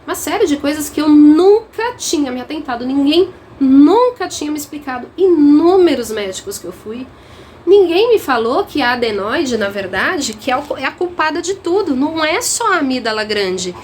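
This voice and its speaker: A woman's voice: high-pitched, sing-song, moderate pace, a little hiss or hum. A young adult woman, a mother and channel host, telling her viewers a story in a casual, earnest and emotional way. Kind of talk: casual vlog talk to viewers.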